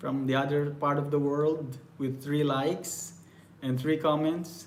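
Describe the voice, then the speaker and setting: With a Filipino accent and a fairly high pitch, a man talks at a fairly slow pace with fairly even intonation, amid noticeable background noise and audible room echo. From Philippines. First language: Ilocano. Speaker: English teacher and vlogger. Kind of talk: live-streamed lecture. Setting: live stream to camera. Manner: halting, many repetitions.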